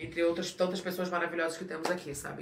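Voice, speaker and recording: Speaking at a fairly quick pace in an animated tone, a woman is heard with audible room echo and light background noise. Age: 30s. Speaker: youtuber. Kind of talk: casual vlog monologue. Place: home room.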